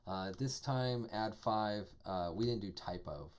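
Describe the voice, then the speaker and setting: A man with a somewhat low voice talks through code on a live stream. He is casual and enthusiastic, full of "like" and "um." Keyboard typing clicks in the background. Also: unhurried. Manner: casual, enthusiastic, chatty with filler words. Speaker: programming instructor. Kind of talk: live-streamed coding lesson.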